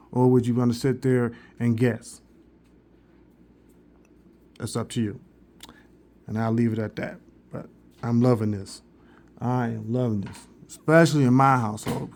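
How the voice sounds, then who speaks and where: A man's voice: mid-range voice, a little mellow. A man casually demoing a phone's translation feature in a vlog. He rambles, restarts often and keeps earnestly urging viewers. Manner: rambling and repetitive, with frequent restarts. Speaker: vlogger reviewing a phone. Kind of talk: casual product demo.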